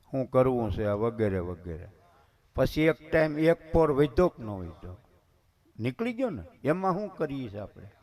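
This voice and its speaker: A man's voice: mid-range voice, a bit bright. A man giving a devotional sermon in a folksy, conversational way, often calling his listeners bapu. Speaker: katha preacher.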